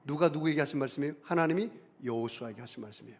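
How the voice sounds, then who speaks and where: A middle-aged man preaching a sermon as senior pastor, emphatic, with big swings in pitch and volume, leading the congregation in call-and-response. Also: racing.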